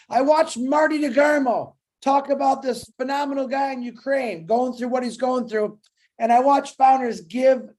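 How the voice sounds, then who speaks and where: A man's voice: very high voice, darkish tone. A man speaking from home on an online chat, giving a fervent, emphatic motivational talk. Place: home, dog barking outside.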